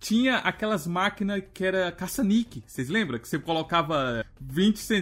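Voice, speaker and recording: Moderately paced speech from a man, very cleanly recorded against a silent background. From interior of Pernambuco, Brazil. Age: 30s. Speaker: podcast co-host. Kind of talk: casual chat.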